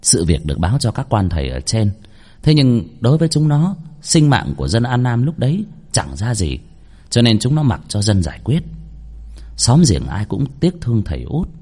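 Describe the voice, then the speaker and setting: Male storyteller for a ghost tale: husky, highly animated, dramatic. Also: normal speed.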